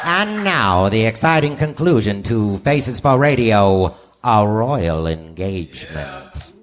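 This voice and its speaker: A man puts on a showy radio announcer for a comic radio play. His voice swoops dramatically in mock-grand sponsor style, recorded live with clear background noise. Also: on the low side, sing-song, slow pace. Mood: grand showmanship. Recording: noisy live theater stage recording.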